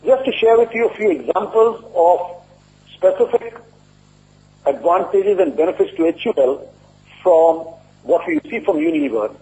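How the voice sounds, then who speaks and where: A man speaking as a company executive, giving a formal, measured and deliberate earnings presentation. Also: sits high, lively intonation, dark tone. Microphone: conference call line. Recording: muffled lo-fi conference call audio.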